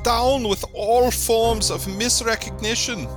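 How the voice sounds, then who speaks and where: A man's voice: extremely high pitch, fairly even intonation, takes it slowly, music in the background. A man playing a fussy, scornful German professor with a German accent in a radio comedy sketch.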